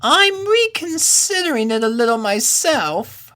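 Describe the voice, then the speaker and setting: A man voicing young boy pony colts in a storybook reading, with a high child voice and expressive, uneasy chatter. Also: unhurried, exaggerated voice. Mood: wary bravado. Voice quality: high-pitched put-on child voice.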